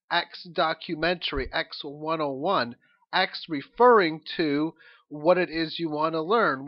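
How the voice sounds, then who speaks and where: Guy w/ kinda high voice rambling his opinions on a solo audio log, halting, muffled low quality sound. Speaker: host of an economics audio log. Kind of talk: informal spoken monologue, opinion commentary.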